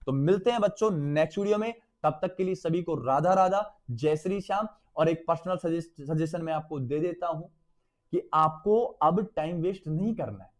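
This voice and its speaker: A male teacher with a Hindi accent, leading a revision lesson in a fairly high voice. He speaks warmly to his students as if they were his children and keeps pausing to ask whether everything is clear. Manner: addresses students as beta, keeps checking they follow.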